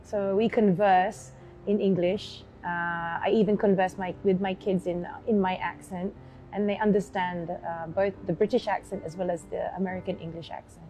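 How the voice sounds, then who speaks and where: Woman, 40s, interview guest, soft-spoken, hesitant, many fillers. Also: lowish voice, steady tone, measured pace, faint music behind, low-quality recording. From United Kingdom and the Philippines. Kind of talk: casual interview answers.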